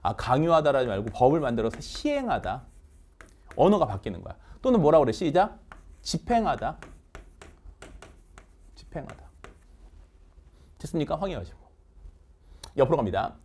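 A middle-aged man teaching English vocabulary in an online lecture, energetic and coaxing, firing quick questions at students. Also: mid-range voice.

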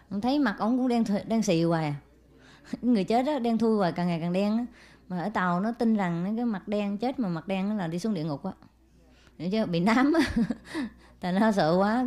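In a mellow, mid-range voice, a woman who teaches spiritual matters chats informally with her followers through a story, dropping frequent "ừ" and "à" fillers and asking "hiểu chưa?" to see if they're keeping up. Now and then she breaks off for sharp, scolding remarks to her attendants.

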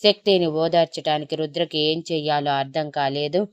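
Low-voiced woman storyteller. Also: normal speed, smooth, no room sound. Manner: steady, flowing storytelling. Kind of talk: emotional story narration.

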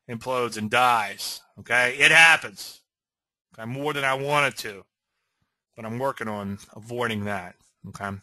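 A man's voice: medium pitch, bright, forceful tone, no room sound. A middle-aged man with a Cajun accent, from Louisiana, giving a folksy screen-share lecture on trading and often checking in with "okay?". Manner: folksy, asks okay often, self-deprecating asides. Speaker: trading educator.

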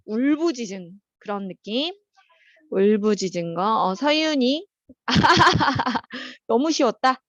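A woman teaching an English vocabulary class. She calls on students by name, explains words in Korean, and reads the English example sentences slowly and carefully. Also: fairly high pitch, no echo, lo-fi sound.

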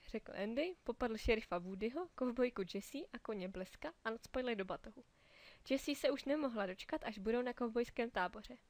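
A woman reading a children's storybook aloud in a clear, lively way, giving the characters small voices of their own. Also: on the high side, no echo.

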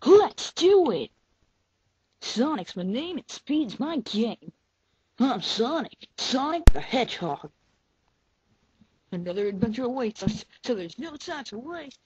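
Girl doing a cocky hedgehog hero dude, punchy cartoon lines, super lively, muffled console mic. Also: fairly high pitch, takes it slowly, long pauses. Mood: cocky, upbeat. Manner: confident, punchy catchphrase delivery. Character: cocky adventurous young male hedgehog hero. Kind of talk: amateur cartoon voice audition. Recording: muffled, noisy handheld game console recording.

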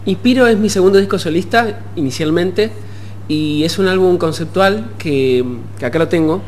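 A young adult musician from Puerto Madryn, Argentina, appears as an interview guest in a TV studio, speaking into a desk gooseneck microphone. His voice is fairly high, and he explains things in halting phrases. Faint noise and hum sit behind him.

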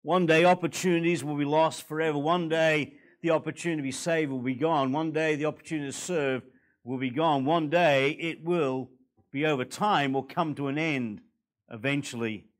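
An older man in his sixties with an Australian accent, a guest preacher at a church pulpit, a little hoarse from a recent cold, building to forceful, emphatic preaching. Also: a little high, steady tone, normal speed. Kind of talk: sermon. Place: church hall, indoors. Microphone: pulpit microphones.

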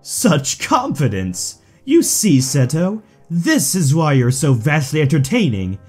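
A man's voice: on the high side, wildly swooping pitch, slow pace, a little mellow, slightly rough, faint music behind, exaggerated voice. A man playing a suave, theatrical villain in an audio drama, taunting his rival with mock affection. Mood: smug, menacing. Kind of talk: fan audio drama acting.

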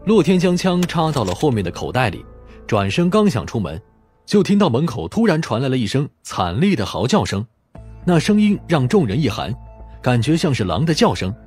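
Male narrator, mid-pitched, lively and dramatic delivery of crime fiction, light music bed. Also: moderate pace. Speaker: audiobook narrator.

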